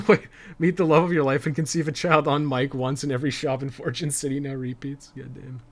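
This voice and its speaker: Laid-back talking streamer dude, mid-range voice, chats with chat and cusses a fair bit. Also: male voice, mid-range voice, steady tone, a little fast. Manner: informal, foul-mouthed. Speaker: video game live streamer. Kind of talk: casual livestream chat with viewers.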